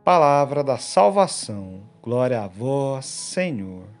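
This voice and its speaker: Guy doing a solemn gospel reading, voice rises and falls a lot, quiet music under it. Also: medium pitch, sing-song. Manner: solemn, measured liturgical delivery. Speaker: gospel reader and preacher. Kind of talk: scripted gospel reading and reflection. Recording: soft instrumental music behind.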